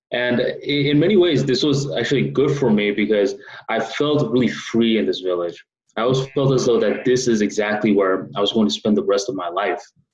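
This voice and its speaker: A man with a Bengali accent and very wide pitch swings. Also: medium pitch for a man, fairly quick pace. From Bangladesh, moved to Miami as a small child. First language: Bangla. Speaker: public speaker. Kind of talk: interview storytelling.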